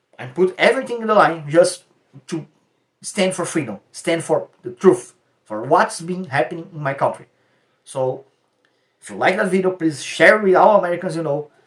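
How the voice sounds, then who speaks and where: Speaking with a Brazilian accent at a moderate pace, the voice has lively intonation, long, frequent pauses and big swings in loudness. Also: man, high pitch for a man. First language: Portuguese. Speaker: political commentator youtuber. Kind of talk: monologue commentary. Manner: halting, frequent fillers and repetitions.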